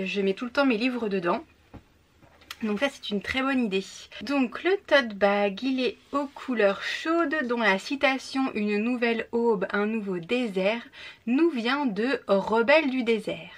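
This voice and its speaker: A woman's voice: on the high side, a bit bright. A young woman chatting cheerfully as she unboxes a monthly book box. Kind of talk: casual unboxing chat.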